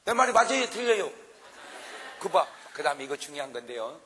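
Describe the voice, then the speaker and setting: Animated male pastor, lively high voice. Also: fairly quick, noisy background. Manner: animated, jokes and acts out quarrels for the congregation. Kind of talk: revival sermon. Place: large church revival meeting. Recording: live hall reverb.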